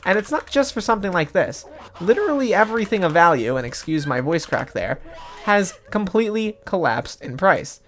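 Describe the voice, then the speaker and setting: A man who makes gaming videos, talking in a chatty, casual way that swings quickly into excited disbelief. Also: sits high. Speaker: gaming YouTuber.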